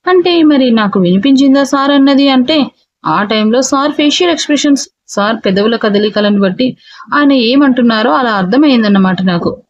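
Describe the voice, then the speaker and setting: A woman with a somewhat high voice reads a first-person story aloud. She tells it with expressive energy. The audio is dull and lo-fi. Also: brisk. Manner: expressive, lively reading.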